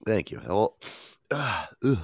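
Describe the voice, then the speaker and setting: Very deep congested man hosting. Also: big pitch swings, slow, slightly rough, no room sound, studio quality. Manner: swears often, laid-back rambling. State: stuffy head cold. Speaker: radio show host. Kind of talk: casual profane chat.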